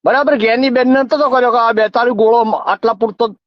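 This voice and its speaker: A man's voice: very high voice, steady tone, a little fast, dry recording. A man with a rural North Gujarati accent, explaining and recounting insistently in a phone conversation. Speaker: community organiser. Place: phone call. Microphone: telephone. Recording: muffled recorded phone call.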